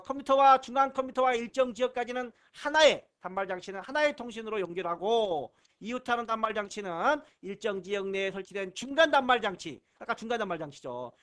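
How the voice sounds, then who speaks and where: A man with a very high-pitched voice gives an exam-prep lecture. He talks through the material in a teacherly way, repeating key terms and breaking it up with playful puns and asides. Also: fairly bright tone. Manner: jokey asides and puns between explanations; repeats key terms, often starting lines with "자". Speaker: computer certification instructor.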